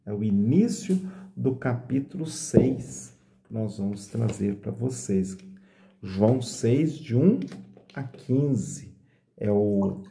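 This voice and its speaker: Holding a phone camera close in a small room, a middle-aged priest from Brazil reads from scripture and unpacks it thoughtfully at a slow pace, often tossing in "né?". He sounds fairly low, gravelly and dark, with a bit of hiss or hum in the audio.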